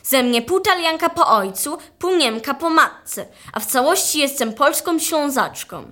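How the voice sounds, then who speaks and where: A young female performer playing a brash, sharp-tongued girl with a Silesian accent in a radio play. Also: high-pitched, expressive, unhurried. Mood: defiant. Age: child or teenager. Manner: feisty, blunt, scolding.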